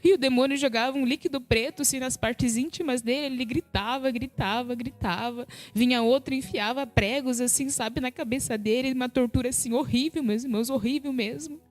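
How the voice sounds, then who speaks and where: A woman's voice: high-pitched, fairly quick, hardly any pauses. A woman giving an emotional spiritual testimony on a live stream, often turning to her listeners as brothers and sisters. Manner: emotional retelling, repeats "sabe, meus irmãos". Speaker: guest giving a religious testimony.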